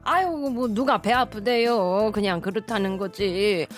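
A woman's voice: medium pitch, unhurried, soft background music, close to an everyday voice. A woman voicing a middle-aged housewife who complains, sighs and wails over aging. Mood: grumbling. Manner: sighing, complaining, wailing. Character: aging housewife, envious, whiny and self-pitying. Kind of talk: radio skit acting.

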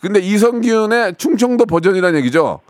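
A man's voice: high-pitched, lively intonation, fairly quick, a little mellow, no echo, studio quality. A male radio host chatting casually and teasingly with callers. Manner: joking, rambling, teasing.

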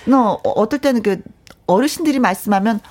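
A woman's voice: on the high side, lively intonation, fairly quick, a little mellow. A middle-aged woman hosting a radio show, chatting casually, laughing often and reading out listener messages. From parents from Gyeongsang. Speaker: radio host.

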